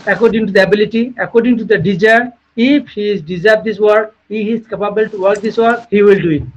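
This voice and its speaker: A man's voice: sits high, quick pace, a little hiss or hum. A man from Bangladesh, a researcher answering webinar questions earnestly, often adding "okay" and "you know". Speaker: guest speaker, researcher. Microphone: video call. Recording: dull lo-fi webinar audio.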